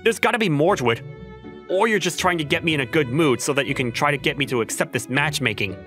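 A man acts out a flustered young office worker in a manga dub. His voice is lively and swings widely in pitch, skeptical and exasperated, with faint music behind it. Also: fast. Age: young adult. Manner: exasperated, incredulous, animated. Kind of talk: manga dub acting with inner narration.

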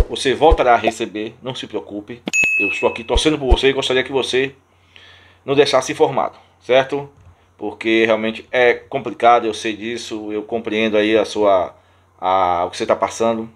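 A man with a Brazilian Portuguese accent hosting a channel, answering viewer comments in casual talk and repeating his points with indignation. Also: medium pitch. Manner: reads viewer comments aloud.

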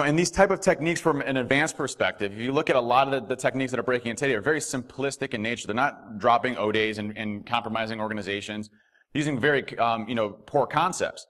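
A male keynote speaker addresses a conference from a podium in a hotel ballroom. He is animated and quick, with plenty of fillers and restarts, and his voice has a medium pitch.

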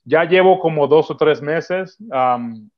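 A man, chatting as a podcast guest in a relaxed way, laughing often and repeating words as he thinks, on a video call from home. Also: a little high, slow. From Dominican Republic heritage, raised in New York. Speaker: podcast guest, film photographer. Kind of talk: casual interview chat. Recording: slightly dull video-call audio.

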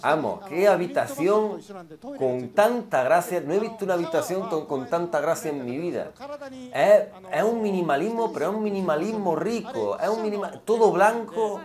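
A man's voice: high-pitched, lively intonation, normal speed, crowd noise. A young man giving sarcastic reaction commentary, mocking everything with exaggerated mock delight. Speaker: youtuber reacting to a game demo.

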